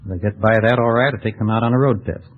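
A man's voice: on the low side, fast talker. An American man, a contestant on a radio quiz, giving plain, casual answers about himself. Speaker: quiz show contestant, motor vehicle department clerk. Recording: muffled tinny old radio broadcast.

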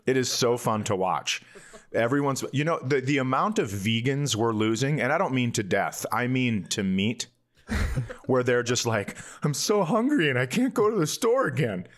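A man's voice: medium pitch, animated, normal speed. A man who hosts a comedy podcast, telling casual, self-mocking stories and giggling through them. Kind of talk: casual comedic banter and storytelling.

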